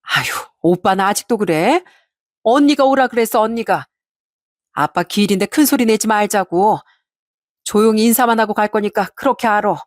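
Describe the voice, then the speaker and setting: A woman's voice: mid-range voice, moderate pace, dry recording, clean studio sound, lightly acted. A woman voicing a blunt, reluctant middle-aged mother who complains in an audio story. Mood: curt.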